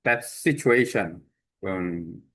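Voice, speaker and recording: Slow, halting Korean-accented man. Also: low voice, fairly bright tone. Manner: halting, many fillers and restarts. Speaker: language exchange speaker. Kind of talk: unscripted talk to camera.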